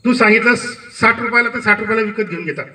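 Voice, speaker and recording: A man's voice: sits high, quick pace, sharp tone, distant mic, rough recording. A man voicing a tired old cap-seller father. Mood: advising.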